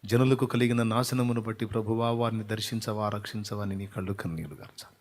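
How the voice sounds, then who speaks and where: A man's voice: fairly low pitch, steady tone, fast talker, big-room sound. A male pastor giving a short devotional message, talking in a pleading, fervent prayer addressed to God. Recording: voice over Carnatic music with tabla.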